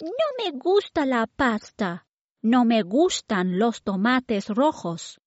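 A woman's voice: fairly high pitch, sing-song, takes it slowly, a little mellow, no room sound, muffled recording, voice pushed up, full character voice. A woman voicing a demanding, picky talking baby girl with a whiny, giggly way of talking.

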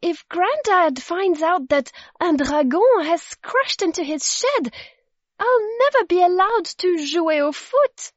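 An excitable young storybook girl, acted by a woman, with a very high voice that swings up and down. She speaks emphatically and exclaims her lines. The recording is slightly dull. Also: slow, dry recording, exaggerated voice. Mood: alarmed, urgent. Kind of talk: children's storybook character voice.

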